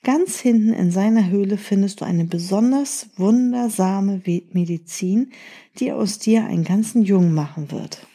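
A woman voicing a group of kind fairies in a children's storybook, speaking softly and pleading. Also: mid-range voice, moderate pace, husky. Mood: earnest. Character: group of kindly fairies, female, gentle.

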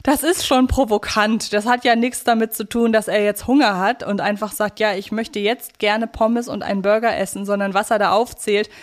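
A woman's voice: mid-range voice, fairly even intonation, normal speed, few pauses. A woman co-hosting a podcast, chatting casually in a wordy, playfully analytical way. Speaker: podcast co-host. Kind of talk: casual chat, analysing a radio play.

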